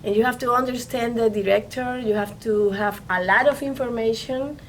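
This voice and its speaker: A woman's voice: on the high side, a little hiss or hum. A woman from Venezuela who speaks Spanish as her first language talks about her work as a film producer in a casual interview, stopping and restarting often. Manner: halting English with many restarts and repeated words. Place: studio.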